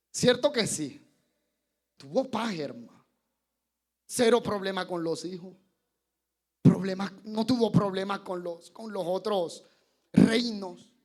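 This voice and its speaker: A man preaching a sermon at a church service, questioning the congregation and chuckling between points. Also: high voice. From Colombia.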